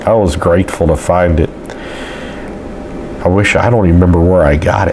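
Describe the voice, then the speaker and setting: A man's very deep, low voice amid audible room echo and noticeable background noise. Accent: Southern US. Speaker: pastor. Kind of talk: product review. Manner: casual, rambling with fillers.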